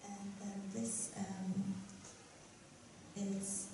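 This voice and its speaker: A young woman poet giving a reading at a lectern on a dark stage, chatty and giggly between her poems and measured as she reads them. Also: medium pitch, flat delivery, creaky, music in the background. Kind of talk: poetry reading. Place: dark stage at a festival event. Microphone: stand mic at a lectern. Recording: roomy hall, mic from a distance.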